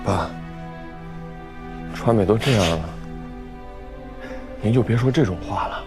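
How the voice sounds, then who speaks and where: A man's voice: fairly low pitch, unhurried, music in the background, close to an everyday voice. An actor playing a guilt-ridden young man who pleads desperately with his father. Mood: pleading. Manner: desperate, pleading, tearful outbursts. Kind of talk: TV drama acting.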